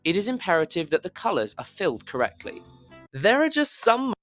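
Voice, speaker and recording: A man's voice: high-pitched, huge pitch swings, fairly quick, fairly bright tone. A man reading scripted narration as a voice actor, with a slightly pushed, over-articulated delivery, recorded in an audible room. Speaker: voice actor on a demo reel. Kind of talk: scripted commercial and instructional narration. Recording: roomy, reverberant home recording, music bed. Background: music bed in places.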